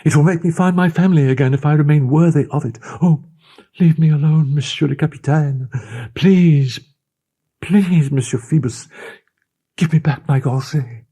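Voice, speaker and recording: A man voicing a young gypsy girl who is lovestruck and pleading, shifting between hushed whispers and urgent cries. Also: lowish voice, slow pace, creaky, slightly rough, pitched above the performer's own voice, heavily acted. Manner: tender, imploring, swings between whispers and cries. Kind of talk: audiobook character voice.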